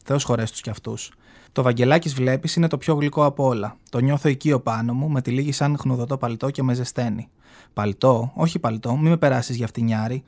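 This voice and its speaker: A man's voice: mid-range voice, a little mellow, close to an everyday voice. A man reading aloud from a novel in the voice of an aging, flamboyant gay man who tells his story in a sassy, mocking way, in a radio studio.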